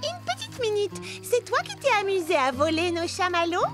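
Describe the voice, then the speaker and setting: A woman voicing an excitable, chatty little girl in a children's cartoon dub, expressive and full of exclamations. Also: very high voice, normal speed, soft background music, exaggerated voice. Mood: suspicious.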